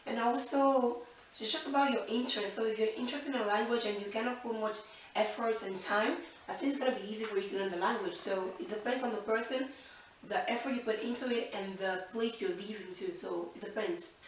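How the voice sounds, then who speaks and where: A woman's voice: fairly high pitch, fairly quick, far from the mic. A young woman from Nigeria chats through a casual question-and-answer vlog, upbeat and thinking aloud as she goes. She sits a little back from the mic, and the room echoes heavily around her voice. A faint hum sits under it. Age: 20s. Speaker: channel host.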